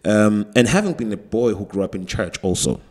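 A young man co-hosting a podcast in a small studio, talking reflectively with halting restarts. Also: lowish voice, lively intonation. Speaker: podcast co-host. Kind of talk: casual panel discussion. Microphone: studio mic with headphones.

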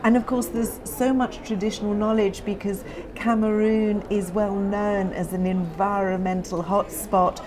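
Middle-aged female journalist, medium pitch, polished broadcast interviewing. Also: flat delivery, a little slow, few pauses, crowd noise. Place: large indoor conference venue lobby.

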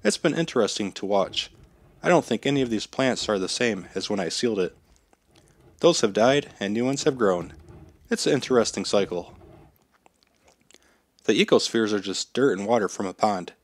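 A man in his thirties hosting a how-to channel, narrating step-by-step instructions in a steady, plain way while slightly sick. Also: on the low side, normal speed, long pauses. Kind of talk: scripted how-to voice-over.

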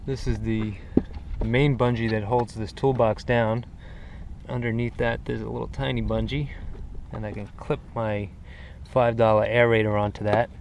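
Man, mid-pitched, easygoing show-and-tell with fillers, recorded outdoors on an action camera with clear background noise. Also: normal speed. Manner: relaxed, rambling, frequent "uh" fillers. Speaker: kayak angler showing his gear. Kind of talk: casual show-and-tell narration. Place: outdoors on shallow water beside a kayak. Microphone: action camera mounted on the kayak. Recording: noisy outdoor camera audio with wind and water.

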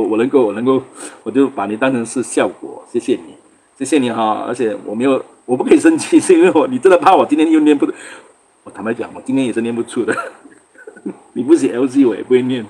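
A man from Singapore hosts a casual livestream, chatting loosely, greeting viewers by name and laughing often. His mid-range voice is a little mellow, with slight background noise.

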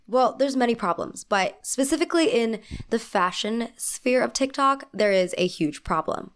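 A young woman in her twenties with a congested, slightly nasal voice from a cold, talking into a handheld mic in a small room in a wry, opinionated scripted video essay with emphatic asides. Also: medium pitch. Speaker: fashion commentary host. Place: small indoor room with lamp and plant. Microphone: handheld mic held close.

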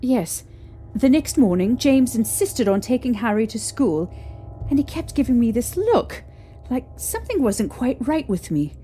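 A woman playing a frightened young mother in an audio drama, recounting a haunting with halting, emotional delivery. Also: on the high side, big pitch swings, mellow. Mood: shaken, haunted. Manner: halting, emotional storytelling with trembling pauses. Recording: eerie music behind.

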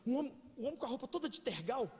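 High-voiced Brazilian pastor preaching animatedly. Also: male voice, racing. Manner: animated, swings between shouting and hushed asides. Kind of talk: sermon with storytelling. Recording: echoey hall with faint noise.

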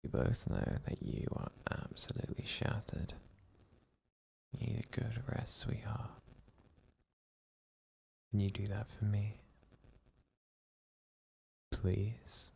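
A man voicing a doting, possessive boyfriend in an ASMR roleplay who whispers slowly to lull the listener to sleep. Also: fairly low pitch, steady tone, exaggerated voice. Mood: soothing. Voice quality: whispery, gravelly, breathy. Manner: slow, soothing, coaxing hush.

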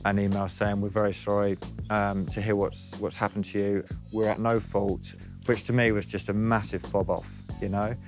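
A man's voice: on the low side, little pitch movement, moderate pace, over music. Blunt, indignant New Zealand man. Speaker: interviewee. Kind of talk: casual interview. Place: outdoors by a harbour.

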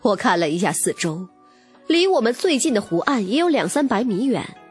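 A woman's voice: a little high, big pitch swings, moderate pace, breathy edge. A woman reading a romance novel as dramatic, scripted first-person narration. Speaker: audiobook narrator. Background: music.

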